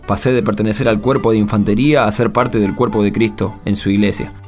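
A man's voice: on the low side, fairly even intonation, quick pace, darkish tone, lightly acted. A man playing a candid, middle-aged Argentine war veteran turned devout Catholic in a radio drama, speaking in an emphatic, colloquial way. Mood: bitter, reflective. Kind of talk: radio drama interview acting. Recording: music bed behind the voice.

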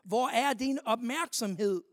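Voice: mid-range voice, no room sound. Preacher with a dry, close sound. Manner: asks the listeners repeated rhetorical questions. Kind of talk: sermon with scripture reading.

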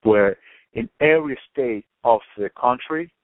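A man from Cuba, talking in animated casual chat, swearing freely and using many fillers. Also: medium pitch, unhurried, no echo. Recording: tinny phone-like line.

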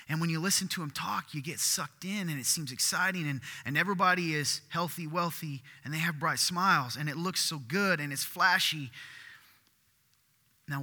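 A man preaching a sermon as pastor, with a deeper voice, talking conversationally and asking his congregation questions. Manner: excitable, conversational, asks the crowd questions. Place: church hall with congregation. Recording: long hall reverb.

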